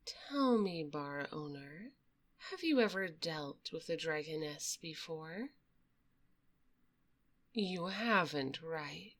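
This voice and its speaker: Woman voicing female dragon mob enforcer, ASMR roleplay, slightly low voice, very slow drawl, soft and close-miked, sassy, cool, taunting, menacing. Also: animated, full character voice. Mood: cool, probing. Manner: cool, taunting, condescending, drawn-out delivery. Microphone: close binaural microphone.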